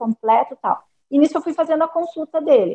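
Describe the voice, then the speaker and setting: A woman speaks at a moderate pace with ordinary pitch variation, recorded with a dry, close sound and no echo. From Brazil, Curitiba. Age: 40s. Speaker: ophthalmologist. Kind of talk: interview.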